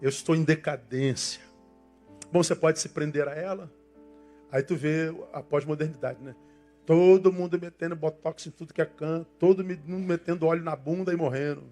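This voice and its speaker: Impassioned high-voiced Brazilian pastor preaching. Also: male voice, steady tone, moderate pace, faint music behind. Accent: Brazilian Portuguese. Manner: impassioned preaching, swings from loud emphasis to soft asides, acts out church members. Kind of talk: sermon.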